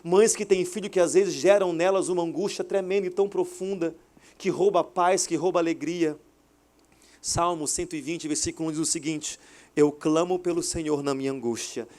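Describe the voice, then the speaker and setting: A man in his thirties preaching a sermon at a church service, animated, acting out quoted dialogue. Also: a little high. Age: 30s. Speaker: pastor. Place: hotel auditorium church service.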